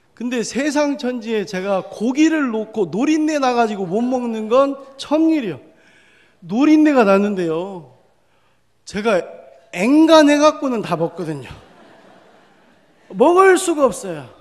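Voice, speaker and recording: A man with an extremely high pitch speaks very slowly, his pitch swinging very widely, with long, frequent pauses and audible room echo. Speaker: pastor. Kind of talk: sermon.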